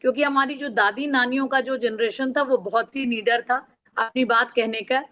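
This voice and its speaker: A woman's voice: fairly high pitch, fairly even intonation, moderate pace, bright, forceful tone. A middle-aged woman author from Bihar answering interview questions earnestly and reflectively, with personal stories. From Bihar, India. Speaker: guest author.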